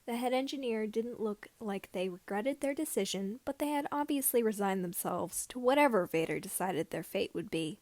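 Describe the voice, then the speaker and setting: A woman narrating fan fiction like an audiobook, with slightly halting phrasing. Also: medium pitch, expressive, a little mellow, dry recording. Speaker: podfic reader.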